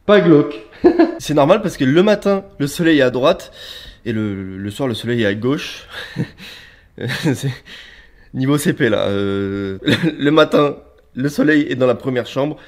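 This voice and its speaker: A man's voice: medium pitch, expressive, unhurried, pauses often. A young man walking through his house under renovation, chatting casually in slang and laughing often as he films himself. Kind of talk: casual vlog walkthrough. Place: unfinished attic rooms of a house under renovation, indoors. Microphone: handheld camera he films himself with.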